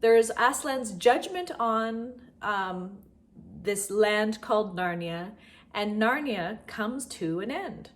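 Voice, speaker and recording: A middle-aged woman hosting a homeschool vlog, talking casually and directly to her viewers. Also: medium pitch. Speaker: homeschool vlogger and channel host. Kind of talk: casual vlog talk to viewers about books.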